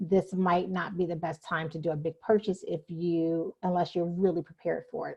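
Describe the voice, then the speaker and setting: With hardly any pauses, a woman speaks at a fairly low pitch in a somewhat breathy, monotone, flat delivery. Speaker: accountant and business owner. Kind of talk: business presentation over video call. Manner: fast when nervous.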